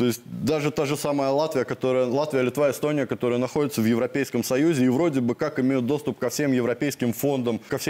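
Dark, mellow tone at a very fast pace with fairly even intonation. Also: man. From Latvia. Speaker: blogger. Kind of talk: studio talk show discussion. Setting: studio. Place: studio. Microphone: lapel.

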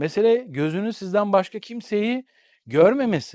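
Against a quiet background, a man speaks at a moderate pace with very wide pitch swings, in a dry, close sound with no echo. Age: 50s. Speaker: psychologist. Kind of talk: advice monologue to camera. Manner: emphatic, forceful; rhetorical, repetitive.

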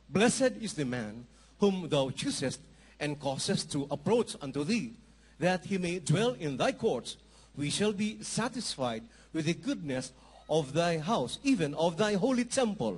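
A man talks at a fairly slow pace in a high pitch that swings very widely. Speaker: Bible reader. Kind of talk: reading aloud.

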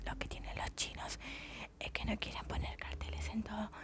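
A soft-spoken woman talks at a fairly quick pace, with a dry sound with no echo and loud background noise. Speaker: vlogger. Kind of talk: casual vlog chat. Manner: soft close-mic ASMR speaking. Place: home room. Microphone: lapel.

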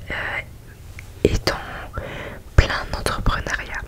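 The speaker, a woman, talks in a whisper. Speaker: ASMR creator. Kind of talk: soft-spoken ASMR chat. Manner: soft close-mic ASMR speech. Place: home room. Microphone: studio mic.

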